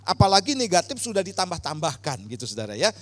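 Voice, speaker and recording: A man's voice: sits high, big pitch swings, fast talker, a bit bright. A male pastor preaching a sermon with emphatic swells on key words and frequent rhetorical address to the congregation. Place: church sanctuary. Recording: church hall reverb.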